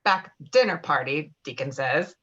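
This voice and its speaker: A woman reading stage directions at an informal script table read, a bit halting, with casual asides. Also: low voice, expressive, a bit bright, breathy edge, muffled recording.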